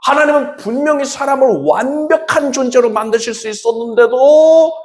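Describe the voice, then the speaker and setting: A man preaching a Sunday sermon as pastor, dramatic, with sudden shouts and big swings in pitch. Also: normal speed. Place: church sanctuary. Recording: echoey church hall.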